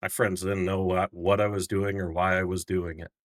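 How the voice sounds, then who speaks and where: Casting: male player as a world-weary, unrepentant fantasy prisoner, low register, blunt and resigned delivery. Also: level tone, no echo, lightly acted. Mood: fed up, defiant. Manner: blunt, resigned, halting confession.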